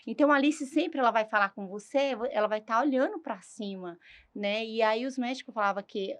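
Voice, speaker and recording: A woman giving a personal faith testimony as a talk show guest, in an animated storytelling manner that reenacts dialogue. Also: fairly high pitch, brisk.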